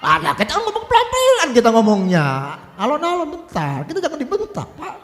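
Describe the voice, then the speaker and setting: Lively, teasing preacher man in an echoing hall. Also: very high voice, fairly quick. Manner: playful, teasing, slangy, often laughing. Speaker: pastor. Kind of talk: lively, joking sermon with congregation banter. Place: large church hall. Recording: church hall with long reverb.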